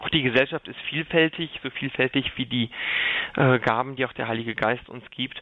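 At a moderate pace, a man with a plain, everyday voice speaks at a medium pitch. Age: 20s. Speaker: church youth worker. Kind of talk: radio interview.

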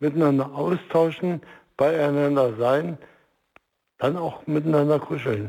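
At a fairly slow pace, a man with a fairly high pitch and a dark, mellow tone speaks with ordinary pitch variation. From East Germany. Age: 60s. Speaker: marriage counselor and coach. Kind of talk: radio interview. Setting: remote line from home.

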